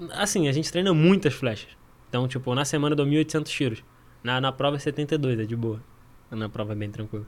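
With ordinary pitch variation and a medium pitch, a man delivers his words at a fairly quick clip. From Maricá, Rio de Janeiro state, Brazil. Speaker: archery athlete. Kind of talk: casual interview chat. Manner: relaxed, easygoing.

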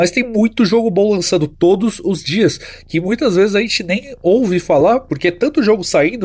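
The delivery is fairly quick, with hardly any pauses and very even loudness. Pitch varies in an ordinary way. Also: man. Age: 20s. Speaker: podcast host. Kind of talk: casual chat.

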